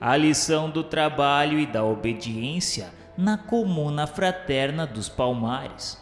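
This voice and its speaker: Brazilian guy doing solemn radio drama narration, kinda slow, big echoey reverb. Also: fairly high pitch, lively intonation. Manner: solemn, formal, declamatory. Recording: echoey long reverb, music underneath. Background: music.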